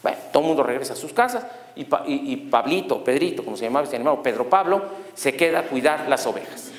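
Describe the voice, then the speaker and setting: A man's voice: medium pitch, fast. A middle-aged man with a Mexican accent giving a law lecture, telling stories and quizzing his audience with jokes. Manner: animated, jokey, asks the audience questions. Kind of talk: lecture with storytelling. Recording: echoey lecture hall.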